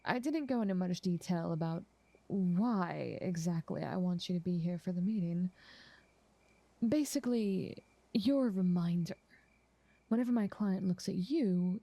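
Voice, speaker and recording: Half-whispering softly, a woman with a lowish voice portrays an ancient vampire with a motherly, doting and possessive air in an ASMR roleplay. Her genteel, unhurried delivery feels calmly commanding, and there is no room sound.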